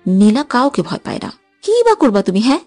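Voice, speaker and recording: A feisty young woman in an audio love story, voiced by a woman. She bickers with playful, sulky needling, her voice sitting high and swinging widely in pitch. Faint music plays underneath. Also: wildly swooping pitch, fairly quick, a little mellow, dry recording. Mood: teasing. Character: teasing, quick-tempered young woman in love.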